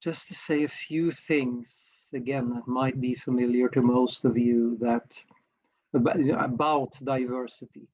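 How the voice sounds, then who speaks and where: A man's voice: mid-range voice, fairly even intonation, a little slow, a little mellow, dull audio. A man from Norway, leading a workshop in a reflective, hesitant way and often searching for words. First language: Norwegian. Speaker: workshop facilitator. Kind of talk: slow reflective workshop talk.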